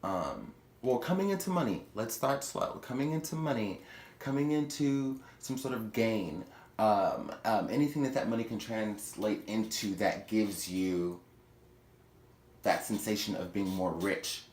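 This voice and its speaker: A man giving a chatty tarot reading, with playful asides and quick self-corrections. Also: lowish voice, a little mellow. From Houston, Texas. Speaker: tarot reader. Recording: echoey room with faint noise.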